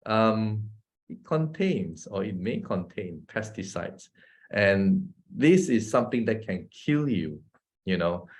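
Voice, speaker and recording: Speaking slowly and expressively in a fairly low, darkish voice, a man from Malaysia presents a relaxed talk to an audience in Malaysian-accented English. He keeps it chatty, frequently tossing in "right?" and laughing between his points.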